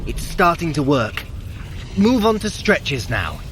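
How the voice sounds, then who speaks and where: A man's voice: a little high, sing-song, slow pace, background noise. A man playing a sly, teasing trickster god in a wry, theatrical audio drama style. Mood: wry, commanding. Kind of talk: scripted audio adventure acting.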